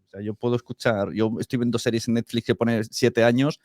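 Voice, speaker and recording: A man's voice: mid-range voice, steady tone, fairly quick, darkish tone, no room sound, studio quality. A man with a Spanish accent from Spain, chatting casually as a podcast host. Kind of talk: casual chat.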